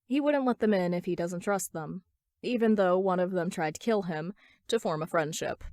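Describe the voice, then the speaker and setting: A woman's voice: fairly low pitch, normal speed, darkish tone, no room sound, clean studio sound. A woman reading scripted fan fiction as an amateur story narrator.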